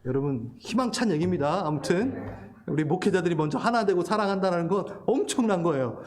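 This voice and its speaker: A man's voice: high-pitched, expressive, fairly quick. A middle-aged male pastor giving a sermon, laughing and emotional while telling a personal story, then preaching earnestly.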